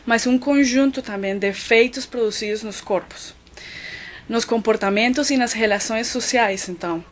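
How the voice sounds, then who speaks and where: A woman from Colombia, a physician and researcher with a Colombian Spanish accent, giving an academic web lecture with frequent filler words. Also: on the high side. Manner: thoughtful, many "então" and "é" fillers while explaining.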